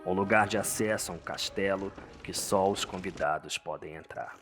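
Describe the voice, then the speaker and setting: A man with a Brazilian accent narrates a dark story in a theatrical, suspenseful, scripted style. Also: sits low, moderate pace. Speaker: narrator, host. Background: music.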